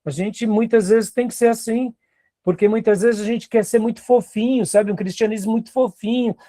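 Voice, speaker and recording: Animated Brazilian pastor teaching seminarians. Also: male voice, high voice, moderate pace, dry recording, studio quality. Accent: Brazilian Portuguese. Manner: animated, laughs often, acts out quoted voices. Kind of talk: classroom teaching with anecdotes.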